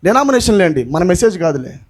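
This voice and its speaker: Fiery high-voiced male pastor. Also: sing-song, fast, husky. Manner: impassioned, mixing English phrases, shouting emphatic lines. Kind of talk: sermon.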